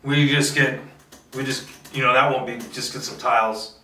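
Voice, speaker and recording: A man's voice: medium pitch, fairly even intonation, normal speed, pushed and bright, a little hiss or hum. A man thinking aloud in a casual, rambling solo monologue, playfully boastful and talking to himself with some swearing. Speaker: filmmaker doing a solo table read. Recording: echoey room, distant microphone.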